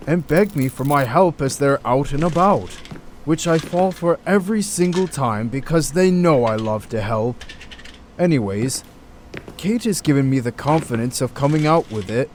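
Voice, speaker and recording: An actor playing an earnest, overworked hospital doctor in an audio drama, articulate and patient with some exasperation. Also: male voice, a little high, a little mellow, a little hiss or hum, close to an everyday voice.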